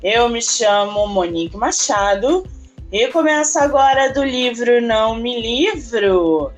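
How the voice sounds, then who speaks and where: A woman's voice: on the high side, lively intonation, slow pace, soft background music. A Brazilian woman with a Brazilian Portuguese accent hosting a podcast interview, effusive and chatty, often turning to her listeners. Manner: warm effusive, addresses listeners as "gente". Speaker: podcast host. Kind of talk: casual interview.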